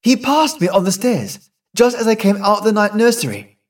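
A frightened young married woman in a haunted house, voiced by a male reader. She speaks up high and anxious, in a pleading, breathless tone. The voice is heard a little away from the mic. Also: sing-song, normal speed, distant mic.

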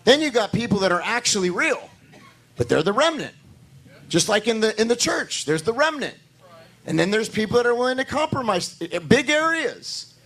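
A hoarse pastor preaching from the pulpit in a fairly high voice. He drives his points home with repetition and rising emphasis, and he talks straight to the congregation, asking them for amens. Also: sing-song, moderate pace, a bit bright. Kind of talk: sermon.

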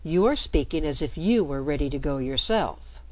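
A woman voicing a grave, calm father who speaks in a measured way. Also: low-pitched.

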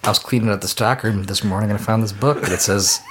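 A man voicing an excited teenage boy who works in a shop's stock room, within a comic story. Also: lowish voice, quick pace, background noise, natural voice. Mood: eager.

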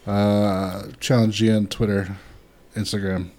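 A man's voice: lowish voice, level tone, slow, darkish tone. Blunt, cursing podcast co-host man. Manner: blunt, profane. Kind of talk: casual chat.

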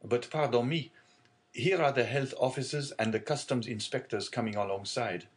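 A man's voice: mid-range voice, moderate pace, lightly acted. A man voicing a polite, earnest young male ship's mate.

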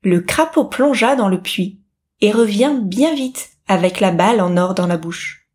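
Storyteller, woman, expressive fairy-tale narration, mid-pitched. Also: measured pace.

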